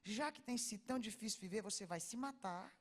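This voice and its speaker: A Brazilian woman preacher telling a personal story in a sermon, acting out the dialogue and swinging from hushed to loud. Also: mid-range voice, brisk. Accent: Brazilian Portuguese.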